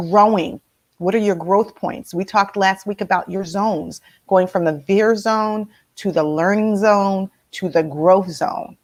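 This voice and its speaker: A woman host with a slightly nasal voice, leading a casual motivational talk and asking her listeners many questions. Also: medium pitch.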